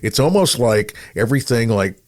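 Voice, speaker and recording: A man's voice: mid-range voice, expressive, moderate pace. A man chatting casually as a podcast co-host, rambling along in a self-deprecating way. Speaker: podcast co-host, former radio programmer. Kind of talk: casual radio-industry chat.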